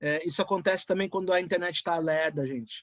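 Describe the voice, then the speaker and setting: In an ordinary speaking voice, a man talks at a fairly quick pace with fairly even intonation, the sound dry and close with no echo on a very clean recording with a silent background. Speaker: teacher. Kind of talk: lecture.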